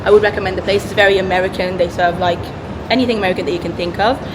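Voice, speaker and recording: A woman's voice: mid-range voice, fairly even intonation, rapid-fire. A woman chatting casually to camera for her vlog, rambling a little with restarts, out on a busy city street. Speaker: theatre vlogger. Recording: loud street traffic noise. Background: traffic and city sounds.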